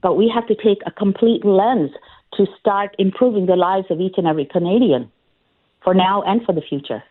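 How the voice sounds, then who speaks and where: A woman's voice: medium pitch, normal speed. A woman speaking as a political candidate on a radio call-in interview, talking earnestly with many fillers and restarts. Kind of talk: phone interview on talk radio. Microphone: phone. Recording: tinny phone line.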